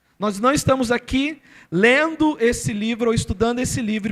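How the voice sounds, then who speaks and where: With a Brazilian accent, a man speaks at an extremely high pitch with lively intonation in a very clean recording with a silent background. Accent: non-Rio Brazilian accent, noticeable. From Brazil, outside Rio de Janeiro. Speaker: pastor. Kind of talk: sermon. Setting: church.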